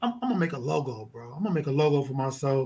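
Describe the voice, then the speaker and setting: A somewhat breathy man with an American accent. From New York, Brooklyn. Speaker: Coast Guard veteran, diver and pilot. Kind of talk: casual podcast interview. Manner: animated.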